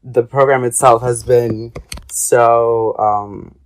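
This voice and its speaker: A young adult man from Ecuador speaks as a podcast guest, his voice sitting at an ordinary middle pitch. He rambles and circles back, filling gaps with hesitations as he explains himself in a relaxed chat. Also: takes it slowly. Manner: hesitant, rambling, many fillers. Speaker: guest, artist and graduate student. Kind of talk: casual interview talk.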